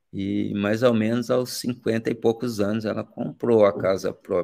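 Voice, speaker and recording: The background is silent and the recording very clean. At a moderate speed, a man talks with ordinary pitch variation. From Minas Gerais, Brazil. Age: 60s. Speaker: photographer and video artist. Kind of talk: interview.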